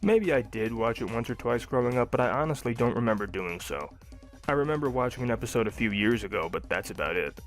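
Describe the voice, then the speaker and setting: A man's voice: medium pitch, animated, fast, faint music behind. A young adult man narrating a scripted cartoon review.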